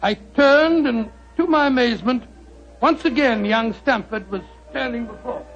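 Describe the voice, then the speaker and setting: An actor playing a genial elderly doctor who tells the story, with a bumbling, chummy manner, in a 1940s radio drama. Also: male voice, very high-pitched, normal speed. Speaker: narrator of the tale. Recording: dull 1940s radio broadcast.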